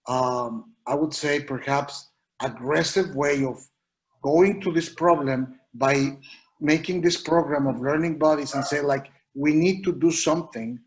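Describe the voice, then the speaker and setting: A man from Mexico, speaking English as an on an online panel, earnest and halting with many restarts. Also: a little high, rough recording. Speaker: educator panelist.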